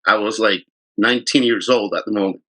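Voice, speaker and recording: A man's voice: fairly low pitch, fairly even intonation, fairly quick, a bit bright. A man, a fly fishing guide telling his story in a casual interview, rambling and often restarting his sentences. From Chile.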